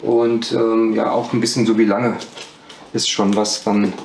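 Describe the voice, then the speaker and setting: A man in his fifties, an acupuncturist, calmly explaining a treatment in a small clinic room. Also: fairly low pitch, a little slow, gravelly, roomy sound, a little hiss or hum, low-quality recording. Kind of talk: explaining to a patient.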